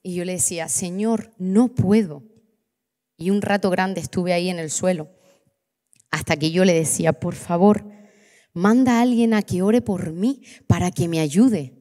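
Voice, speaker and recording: A woman, preaching and giving her testimony, impassioned, slowing down on key words for emphasis. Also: lowish voice, mellow. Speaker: preacher leading a church workshop. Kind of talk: sermon with personal testimony. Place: church hall. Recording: long reverberant church hall.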